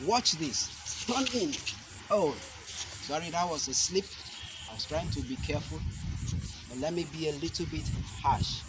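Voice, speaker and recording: A young man demonstrating self-defense moves, explaining each step slowly and deliberately, with sharp shouted cries on the strikes. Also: on the high side. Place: outdoor concrete court. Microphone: camera mic at a distance. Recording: outdoor noise from a camera mic.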